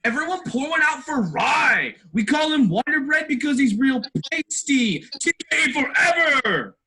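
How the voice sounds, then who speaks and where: A man's voice: very high-pitched, big pitch swings, unhurried, noisy background, heavily acted. A man playing a cocky, oblivious frat-boy husband in a comedy sketch, swaggering in bro slang. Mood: cocky, rowdy. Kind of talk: comedy sketch staged reading.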